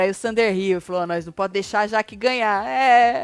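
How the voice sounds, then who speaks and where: Speaking at a moderate pace, a woman has an animated tone and ordinary pitch variation. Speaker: reality show commentator. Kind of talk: casual chat.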